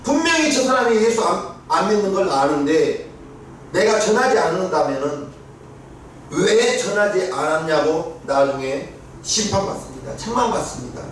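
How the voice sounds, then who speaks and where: A pastor preaching a sermon in a church, his voice swinging between loud rises and soft drops as he questions the congregation. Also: high-pitched, big pitch swings, moderate pace. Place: church sanctuary. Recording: very echoey church room, heard from a distance, faint hiss.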